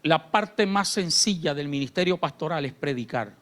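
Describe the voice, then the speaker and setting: A man pastor, preaching a sermon in church. His delivery swings between shouted fervor and quiet, confiding talk. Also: on the high side, expressive, normal speed. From Colombia. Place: church sanctuary.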